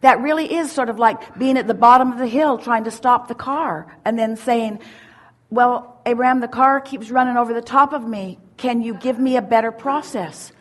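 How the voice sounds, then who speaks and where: A woman giving a spiritual teaching at a seminar, speaking as "we" in an emphatic, drawn-out way. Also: fairly high pitch. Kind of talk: channeled teaching in first person plural.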